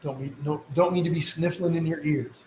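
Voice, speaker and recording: A man's voice: on the high side, steady tone, brisk. A man with slight sniffles leads a casual live painting tutorial in a reassuring, easygoing way. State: slight sniffles from a mild cold. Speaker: painting instructor hosting a live session. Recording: roomy echo, some background noise.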